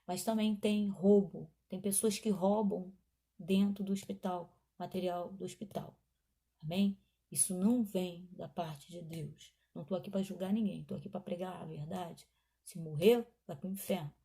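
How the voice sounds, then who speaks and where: A woman's voice: lowish voice, fairly even intonation, normal speed, creaky, mellow, breathy edge. A woman pastor giving an emotional testimony in a sermon, talking straight to the congregation. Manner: emotional storytelling, addresses congregation as brothers.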